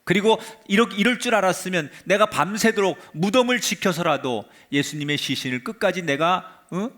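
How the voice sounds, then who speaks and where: A man, a pastor, preaching a sermon and retelling a story with drama, his voice sinking to a hush at the end of phrases. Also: high-pitched, expressive, normal speed. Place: church sanctuary.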